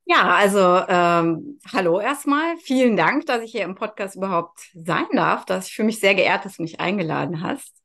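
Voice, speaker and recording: A woman in her fifties from near Cologne, telling her personal story openly as a podcast guest, with frequent pauses. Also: mid-range voice, animated, vocal fry, a bit bright. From Germany, near Cologne. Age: 50s. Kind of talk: casual interview chat.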